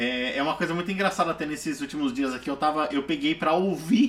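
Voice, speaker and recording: In a São Paulo accent, a man speaks at a fairly quick pace. His fairly high pitch swings very widely. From São Paulo state, Franco da Rocha area. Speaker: gaming group member. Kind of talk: casual chat.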